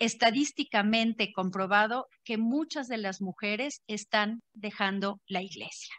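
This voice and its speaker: A woman with a Mexican accent against a quiet background, in a dry sound with no echo. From Mexico. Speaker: academic researcher on women in the Church. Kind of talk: conference talk. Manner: conversational, informal despite academic topic. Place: hall. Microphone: handheld.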